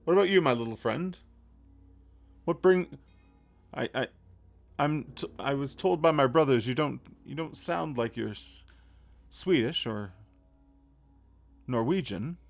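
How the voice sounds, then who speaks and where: A man's voice: medium pitch, lively intonation, unhurried, gravelly, long pauses, soft background music. A man voicing an evasive, courtly island baron who hedges and stammers politely. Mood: curious. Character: smooth-talking island baron, middle-aged man.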